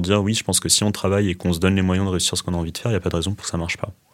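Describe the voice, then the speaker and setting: A man's very deep, low voice in a flat monotone. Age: 20s. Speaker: student opera singer. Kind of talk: interview testimony.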